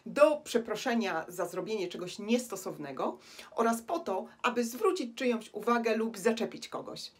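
A woman from Poland teaching an English lesson, reading example phrases slowly with clear stress on key words. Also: on the high side, lively intonation. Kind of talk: language lesson narration.

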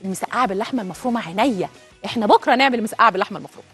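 A woman's voice: mid-range voice, lively intonation, rapid-fire, a bit bright, husky, faint music behind. A woman with an Egyptian accent hosting a cooking show, chatting directly to viewers as she cooks. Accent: Egyptian Arabic. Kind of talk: cooking demonstration.

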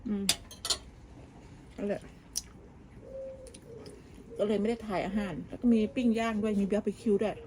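A woman's voice: medium pitch, fairly even intonation, moderate pace, long pauses, dark tone, slight background noise. Woman chatting over kitchen clatter. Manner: gossipy, talks with many restarts and fillers. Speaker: vlogger. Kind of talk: casual chatty storytelling. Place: home kitchen abroad.

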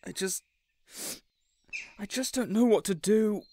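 A man playing a weary, reasonable young supervillain boss in a scripted audio roleplay, hesitant yet measured and exasperated. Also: high-pitched, dark tone, a little hiss or hum. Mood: anxious.

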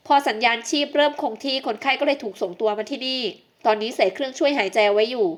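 A woman voicing an earnest young female surgeon who explains in a hurried way in an audio novel. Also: sits high, natural voice.

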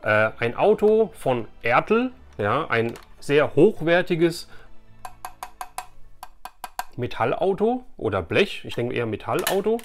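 A man's voice: on the high side, sing-song, takes it slowly, soft background music. A man in his forties chatting casually and animatedly to the camera as a host of a collectors' video channel. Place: small furnished room lined with collectible shelves, indoors.

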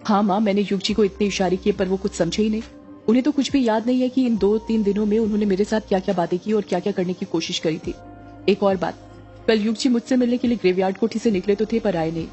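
A woman's voice: mid-range voice, quick pace, dark tone, lo-fi sound, soft background music, natural voice. A woman voicing an anxious young woman who pleads and insists with her mother. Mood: pleading.

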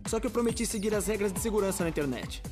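An actor voicing a boastful, excitable punk teenage boy who plays online games. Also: high voice, rapid-fire. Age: teens. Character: cocky punk teen boy gamer. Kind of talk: cartoon voice acting. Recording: loud music bed.

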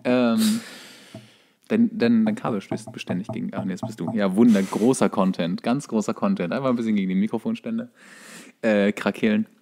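A man's voice: fairly low pitch, steady tone, fairly quick, mellow. Flippant male podcast co-host, offhand banter. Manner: flippant, interjecting with offhand jokes. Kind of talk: casual comedic podcast banter.

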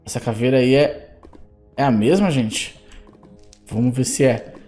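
A Brazilian man commentating his Minecraft play as a YouTuber, excitable, squealing and shouting when startled. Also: mid-range voice, a little slow, soft background music. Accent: Brazilian Portuguese. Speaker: gaming YouTuber.

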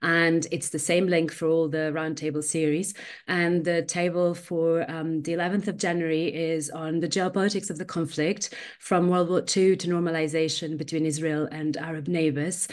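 Low voiced woman hosting a roundtable over video call, friendly, lots of ums. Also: little pitch movement, normal speed. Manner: friendly, uses filler "um". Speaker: panel moderator and lecturer. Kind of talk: moderating an online roundtable. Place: home study with bookshelves. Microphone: earphones on video call.

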